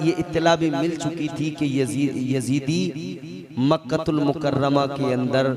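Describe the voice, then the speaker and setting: A male Islamic preacher giving an impassioned Muharram sermon at a live gathering, speaking in an oratorical way that repeats phrases and rises to shouts. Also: on the high side. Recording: loud crowd at a live gathering.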